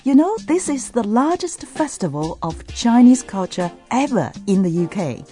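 A woman co-hosting a radio English lesson with a clear, measured, scripted delivery. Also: on the high side, very animated, warm tone, soft background music. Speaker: co-host of a language lesson.

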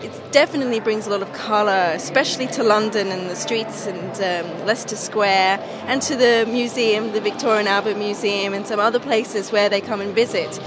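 A woman's voice: medium pitch, a little fast, few pauses. A woman interviewed outdoors, speaking in an upbeat, fluent way. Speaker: festival visitor. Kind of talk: street vox pop. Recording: street noise behind.

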